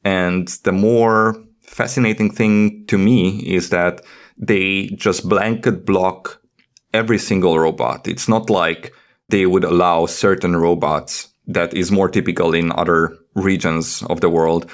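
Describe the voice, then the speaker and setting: Deep-voiced man explaining technical matters. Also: steady tone, measured pace. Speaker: podcast co-host.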